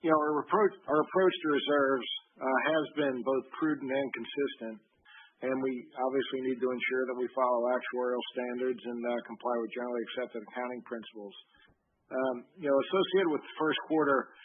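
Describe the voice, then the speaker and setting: A male company executive giving a measured, formal answer on an earnings call. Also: medium pitch, slight background noise. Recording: narrow-band conference call line.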